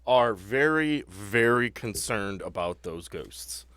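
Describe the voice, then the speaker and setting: A man with a low voice, recorded close and dry, runs a tabletop game. He talks his players through rulings casually and jokes as he goes. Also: animated, slow pace, fairly bright tone, smooth, no echo. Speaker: game master of a tabletop roleplaying podcast.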